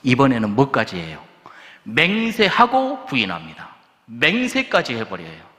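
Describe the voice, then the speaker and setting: Male pastor, sermon in a reverberant church hall, animated pitch, rhetorical questions, loud-to-whisper swings. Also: unhurried. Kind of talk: Sunday sermon. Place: church sanctuary.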